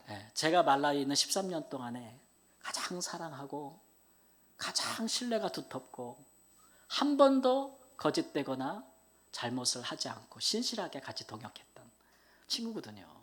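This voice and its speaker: A middle-aged male pastor preaching in a sermon, telling stories earnestly and moving between soft whispered asides and loud exclamations. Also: mid-range voice.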